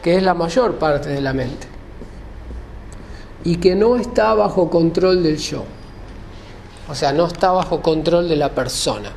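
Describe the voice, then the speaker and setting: A man's voice: a little high, a little slow, creaky, long pauses, a little mellow, slight background noise. A man giving an explanatory lecture, speaking didactically, often rephrasing and checking that listeners follow.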